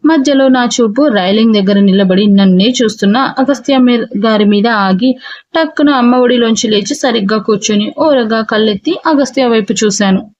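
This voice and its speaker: A woman narrating a first-person story in an expressive, lively reading. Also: medium pitch.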